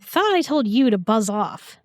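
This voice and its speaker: A woman's voice: on the high side, sing-song, measured pace, dry recording. A woman playing a feisty, sarcastic young sidekick in a fantasy audio drama, slangy and defiant. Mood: scornful.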